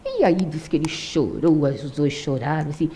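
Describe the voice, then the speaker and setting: A woman's voice: deep voice, moderate pace, mellow. An older woman telling a true story to an audience in a conversational way, with frequent tag questions.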